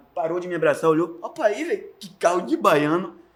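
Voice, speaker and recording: This man talks with a strong Bahian accent and ordinary pitch variation. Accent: Bahian Brazilian Portuguese, strong. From Bahia, Brazil. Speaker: artist from a community cultural project. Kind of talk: casual chat. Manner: animated.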